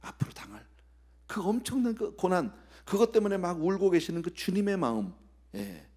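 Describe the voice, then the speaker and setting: A man's voice: high voice, big pitch swings, normal speed, darkish tone, slightly rough. A male pastor preaching an expository sermon at a midweek prayer service. He acts out scenes, drops to whispers and puts rhetorical questions straight to the congregation.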